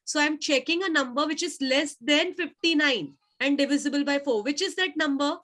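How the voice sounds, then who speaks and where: A woman's voice: high-pitched, normal speed, a bit bright. A woman with a South Asian accent teaching an interactive maths lesson online, repeating her questions insistently to pupils.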